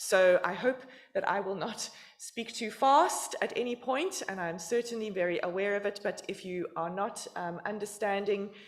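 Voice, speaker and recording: Noticeable background noise sits behind a woman speaking at a moderate pace. Her pitch is medium, with ordinary pitch variation. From South Africa. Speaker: association president chairing a meeting. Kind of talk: formal meeting chairing. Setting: meeting room with hybrid Zoom participants. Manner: hesitant, many fillers.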